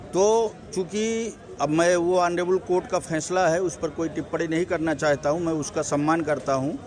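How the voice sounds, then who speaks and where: Formal legal-minded man, slightly high voice. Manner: formal, legalistic, mixes English legal terms. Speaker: complainant's lawyer. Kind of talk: statement to press.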